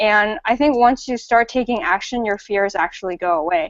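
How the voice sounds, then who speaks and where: A woman with a non-native accent talks at a moderate pace in a fairly high pitch. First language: not English. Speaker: new program student. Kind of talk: live webinar Q&A.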